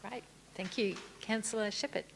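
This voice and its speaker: A woman serving as mayor and chairing a council meeting, moving briskly through formal procedure with light good humour. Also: mid-range voice, vocal fry. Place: council chamber.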